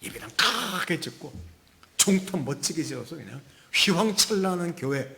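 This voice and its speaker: Man, pastor, Sunday sermon, lively rising and falling pitch, emphatic, rhetorical questions, hushed asides. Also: normal speed, vocal fry.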